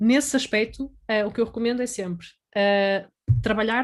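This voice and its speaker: A woman with a northern Portuguese accent, at a medium pitch and fairly quick pace, with ordinary pitch variation against a quiet background. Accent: European Portuguese, northern. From Portugal, Porto. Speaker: vocal coach. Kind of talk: interview conversation. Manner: fast.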